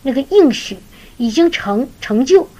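A woman's voice: high voice, lively intonation, measured pace, mellow, low-quality recording. A woman preaching, telling a faith story in an earnest way and often repeating words as she goes. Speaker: preacher sharing a testimony. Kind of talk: sermon-style storytelling.

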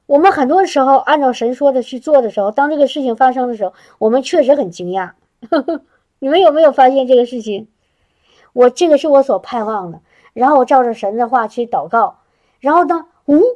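High-pitched lady giving an excited sermon, lots of repeating, sounds really into it. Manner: animated, exclamatory, laughs often, repeats words. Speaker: preacher.

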